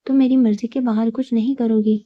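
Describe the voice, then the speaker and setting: A woman's voice: a little high, no room sound, natural voice. Smug cold husband, as a woman reads him. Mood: cool. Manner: calm, cutting, unbothered. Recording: dull lo-fi recording.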